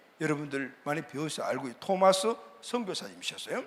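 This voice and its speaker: Here a man speaks with lively intonation. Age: 70s. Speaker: pastor. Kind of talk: sermon.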